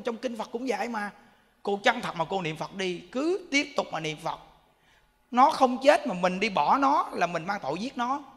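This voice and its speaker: A man's voice: high voice, a bit bright, big-room sound. A Buddhist monk with a Southern Vietnamese accent giving a sermon full of stories, speaking colloquially and addressing his listeners directly. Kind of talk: sermon with storytelling. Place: temple hall.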